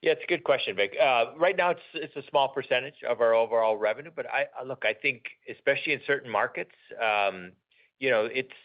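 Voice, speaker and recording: A man speaking as a company executive, answering questions off the cuff in a measured way, often rephrasing himself. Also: medium pitch. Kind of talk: unscripted earnings call answers. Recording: dull, band-limited conference call audio.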